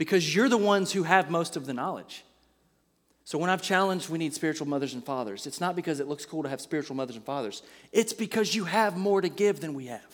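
A high-pitched man talking at a very fast pace. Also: lively intonation. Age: 30s. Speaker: pastor. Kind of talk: sermon. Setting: church.

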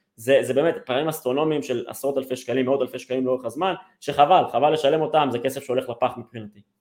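At a very fast pace with hardly any pauses, a man talks at a medium pitch with fairly even intonation. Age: 20s. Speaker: finance community manager. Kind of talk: interview.

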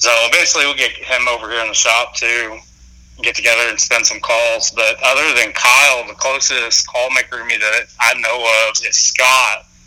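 An American man talks at a moderate pace over noticeable background noise. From Texas and Colorado. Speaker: duck call maker. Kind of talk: casual chat.

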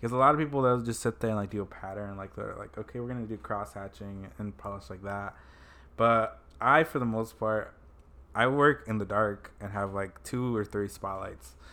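In a very clean recording with a silent background, a man with a Spanish accent speaks at a moderate pace in a fairly low pitch, his bright, sharp tone showing ordinary pitch variation and big swings in loudness. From Mexico, raised in Goshen, Indiana. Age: 20s. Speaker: car detailing and restoration business owner. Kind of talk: casual interview conversation. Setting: studio.

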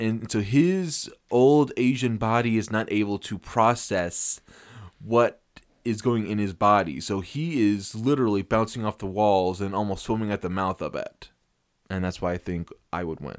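This man has an unremarkable speaking voice with a fairly low pitch. He keeps a moderate pace and ordinary pitch variation. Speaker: podcast co-host. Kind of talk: mock wrestling-announcer promo for a hypothetical fight game. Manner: booming ring-announcer bombast with hype catchphrases; stumbling, repeats words mid-sentence.

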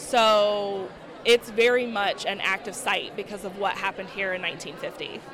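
Fairly slow speech from a woman, with noticeable background noise behind it. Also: medium pitch for a woman, fairly even intonation. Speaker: history student. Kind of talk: interview. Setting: live event with crowd.

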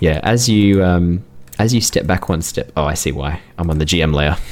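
At a moderate pace, a man speaks low in pitch with ordinary pitch variation and a slightly mellow tone.

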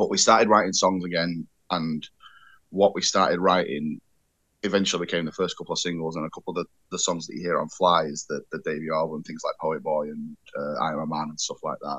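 A very fast, very deep male voice with a bright, sharp tone and fairly even intonation. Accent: Manchester. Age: 30s. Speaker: band singer. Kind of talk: casual interview.

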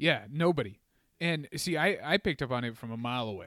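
A man uses a normal speaking voice at a moderate pace with ordinary pitch variation. The recording is very clean, with a silent background and a dry, close sound with no echo. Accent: American. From Bakersfield, California. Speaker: stand-up comedian. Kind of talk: casual chat.

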